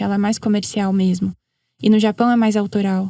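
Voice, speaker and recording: Heard on a very clean recording with a silent background, a voice with a Brazilian accent and a dark, mellow tone keeps a fairly even intonation. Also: woman. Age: 30s. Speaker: voice actress and presenter. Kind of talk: podcast interview answer.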